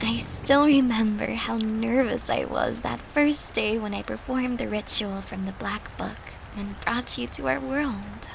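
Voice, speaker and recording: A woman's voice: mid-range voice, slight background noise. A woman playing a tender human girlfriend, an occult summoner confiding in her demon lover in an intimate, earnest audio roleplay. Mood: wry, fond. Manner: soft, earnest, confiding, with sighs and breathy laughs.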